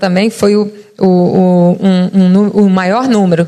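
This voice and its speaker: This woman has an unremarkable speaking voice at a medium pitch. Her intonation stays fairly even. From Brazil. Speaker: missionary. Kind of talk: church talk / missionary report. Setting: church service.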